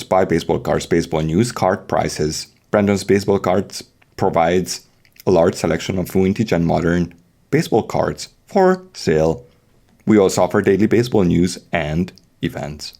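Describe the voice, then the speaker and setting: Deep, gravelly-voiced man on a podcast. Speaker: podcast co-host. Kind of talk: casual panel chat with some mock-dramatic reading.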